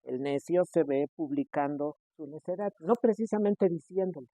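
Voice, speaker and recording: A man's voice: on the high side, dark tone, no room sound. A male pastor, preaching a sermon in a conversational way, with frequent hesitations and mock rhetorical questions. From Mexico.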